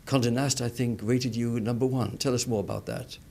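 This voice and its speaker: A man's voice: mid-range voice, fairly even intonation, brisk, mellow. Male TV host, formal interviewer, polite, mid-range voice, occasional fillers. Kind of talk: TV interview questions.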